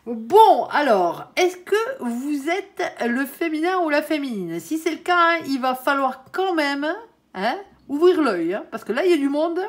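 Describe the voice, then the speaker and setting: Chatty lady doing a tarot reading, voice bouncing up and down a lot, kinda high, keeps saying hein. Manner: addresses viewers and her angel directly. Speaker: tarot reader. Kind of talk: casual tarot card reading.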